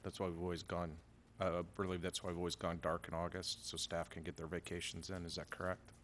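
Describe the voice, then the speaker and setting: A man's voice: deep voice, level tone, a little fast, a bit bright, slight background noise. A middle-aged American man talking informally as a council member at a desk microphone in a council chamber. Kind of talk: informal meeting discussion. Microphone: gooseneck desk microphone.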